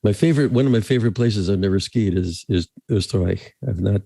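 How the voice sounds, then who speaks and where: Low, mellow-voiced man hosting a chat. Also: quick pace, vocal fry, slightly rough, dry recording. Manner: jokey, chuckling asides. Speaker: podcast host. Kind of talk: casual interview chat.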